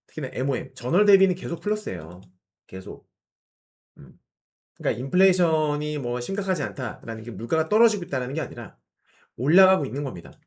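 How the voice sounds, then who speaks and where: A middle-aged man with a cold and a slightly hoarse voice hosts an investment channel, explaining market news to viewers with rhetorical questions, fillers and frequent throat clearing. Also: mid-range voice.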